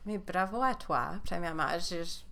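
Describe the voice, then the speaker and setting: Animatrice de balado encourageante. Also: female voice, lowish voice, expressive, moderate pace. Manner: warm, encouraging, reflective questions. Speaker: podcast host and educator. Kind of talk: podcast interview.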